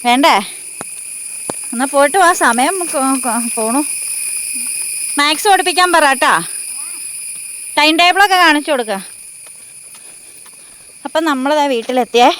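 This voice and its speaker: A middle-aged woman with a central Kerala Malayalam accent chats her way along a rural path in a casual vlog. Her voice sits high. She calls out fondly to chickens and other animals, with faint farmyard sounds behind her on a phone mic outdoors. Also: measured pace, pauses often, fairly bright tone, slight background noise. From Thodupuzha, Kerala. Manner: chatty, coos and calls out to animals. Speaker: vlogger.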